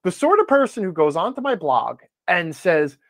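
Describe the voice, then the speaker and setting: A man's voice: sits high, sing-song, normal speed, dry recording. A man talking casually as an interview guest, telling anecdotes in an emphatic way and punctuating his points. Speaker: guest, tabletop gaming blogger.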